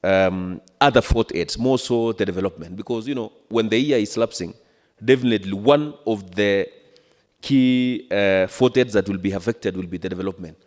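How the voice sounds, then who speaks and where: A man with a Kenyan accent giving a halting, repetitive parliamentary speech as an assembly member. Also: on the low side, darkish tone. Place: large assembly chamber. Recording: echoey hall with long reverb.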